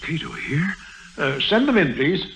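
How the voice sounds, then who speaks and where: An actor playing an upright, anxious state governor in an old radio drama, earnest and agitated. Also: male voice, a little high, lively intonation, measured pace, noisy background. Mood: worried. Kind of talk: 1950s radio drama acting.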